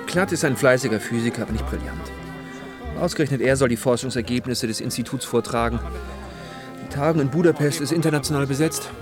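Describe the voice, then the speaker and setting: Radio drama casting: actor as condescending young male physicist, mid-pitched, given to lecturing, music clearly underneath. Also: quick pace, lightly acted. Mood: self-important. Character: young male East Berlin physicist, self-important, disapproving. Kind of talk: radio play dialogue. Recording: music behind the voice.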